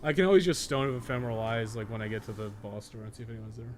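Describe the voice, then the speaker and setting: A man with a mid-pitched voice streams a game and chats casually with viewers. He thinks aloud in halting, colloquial bursts and swears freely. There is clear noise and ambience behind his voice. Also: steady tone, darkish tone. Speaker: game streamer and guide maker.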